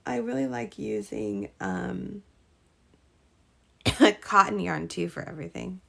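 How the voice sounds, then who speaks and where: Slow chatty woman crocheting live, bit hoarse from a cold, gravelly fry in her voice. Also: on the low side, big pitch swings. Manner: chatty, greets viewers, trails off and restarts. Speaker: crochet livestream host. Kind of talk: casual live chat while crocheting.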